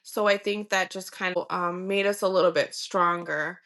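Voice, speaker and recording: A Michigan woman in her forties guests on a podcast, reflecting on family life in a casual interview. Her voice sits on the low side, steady and fairly bright, at a moderate pace, and she uses lots of fillers like "um" and "you know."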